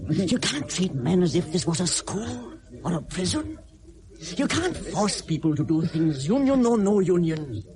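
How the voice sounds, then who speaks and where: Casting: stern miner scolding, crowd around. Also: male voice, high-pitched, sing-song, a little slow. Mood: reproachful. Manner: firm, reproachful.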